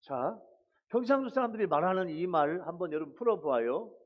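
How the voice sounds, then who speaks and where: A man's voice: sits high, expressive, fairly quick, narrow, tinny audio. A pastor preaching a sermon in a church sanctuary, exhorting his congregation, repeating phrases and calling out hallelujah.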